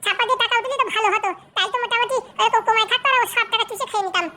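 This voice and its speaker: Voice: very high voice, fairly even intonation, very fast, pushed and bright, a little hiss or hum, full character voice. A performer voicing a scheming, bossy cartoon mother who scolds and argues. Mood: indignant. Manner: scolding, argumentative. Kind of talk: comedy cartoon dialogue.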